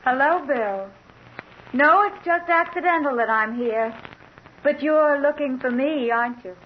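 Mysterious young woman in black, soft and evasive, high voice,. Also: measured pace, slight background noise. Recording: dull old radio broadcast.

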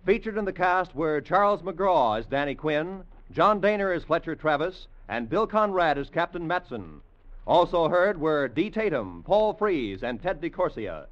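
A man gives formal, emphatic radio announcements with lots of lift and fall in his voice. His pitch sits fairly high. It sounds like a dull old broadcast with faint music behind him. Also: very animated, normal speed.

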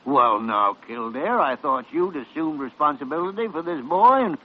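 An actor playing a gruff, bossy senior hospital doctor who barks orders and teases, in an old radio drama. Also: male voice, fairly high pitch, animated, normal speed. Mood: dry. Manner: barking, teasing, growly. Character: gruff bossy older male chief doctor. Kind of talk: 1950s radio drama acting. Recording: dull lo-fi old radio recording.

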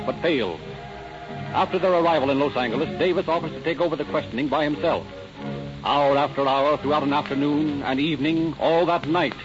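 A man narrating a 1930s radio crime drama in a grave, even way. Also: medium pitch. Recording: dull old radio recording with music.

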